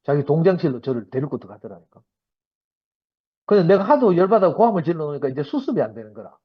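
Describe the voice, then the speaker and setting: A church member in his fifties, speaking with a Gyeongsang Korean accent, delivers a sermon-style testimony at a quick pace. His voice is slightly husky and sits a little high, and he tells his stories in a lively, anecdotal manner. The audio is dull and lo-fi.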